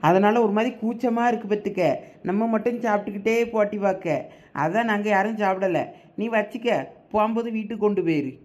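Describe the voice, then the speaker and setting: A woman's voice: mid-range voice, a little fast, darkish tone. A woman with a Thoothukudi Tamil accent voicing a village woman in a cartoon, explaining and coaxing. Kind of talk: cartoon voice acting.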